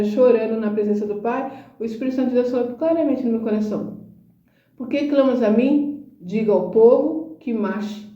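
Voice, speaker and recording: A woman preaches in a conversational sermon, earnest and emphatic, with frequent rhetorical questions. Her voice sits a little high but sounds mellow and soft-edged. The recording is roomy and slightly dull. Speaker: Christian speaker.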